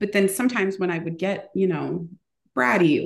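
A woman's voice with vocal fry, a fairly quick pace and ordinary pitch variation. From Texas, US (Nicaraguan family). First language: Spanish. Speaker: marketing executive. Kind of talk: podcast interview. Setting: remote call. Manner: casual, filler-heavy.

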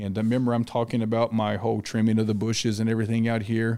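A man with a strong Southern US accent, medium pitch and a dark, mellow tone. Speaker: trucking recruiter, former truck driver. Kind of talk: casual chat. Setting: studio. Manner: animated.

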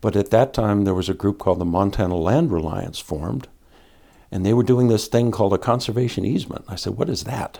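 The recording is very clean, with a silent background, as a man talks at a fairly quick pace. His fairly low voice has a dark, mellow tone and ordinary pitch variation. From Maine, US. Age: 70s. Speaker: geography professor. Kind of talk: radio interview. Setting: studio.

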